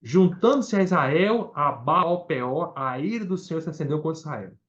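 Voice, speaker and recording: A man with a Brazilian Portuguese accent preaching a Bible study, animated and repeating words for emphasis. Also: fairly high pitch, normal speed, lo-fi sound.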